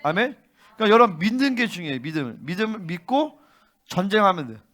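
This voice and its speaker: A male pastor preaching a fervent sermon and often pressing his listeners with quick questions. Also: high voice, big pitch swings, a bit bright. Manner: fervent, keeps prompting listeners with "응?".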